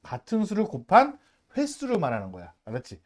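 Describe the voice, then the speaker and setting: Lively, chatty math teacher. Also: medium pitch, fairly quick. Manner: chatty, checks in with constant rhetorical questions; emphatic, drills students to say terms aloud. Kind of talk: casual lecture to middle school students.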